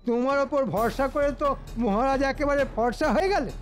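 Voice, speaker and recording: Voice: high-pitched, a little fast, faint music behind, close to an everyday voice. An actor voicing a scheming, greedy minister villain in a cartoon, sneering and bossy. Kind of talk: cartoon voice acting.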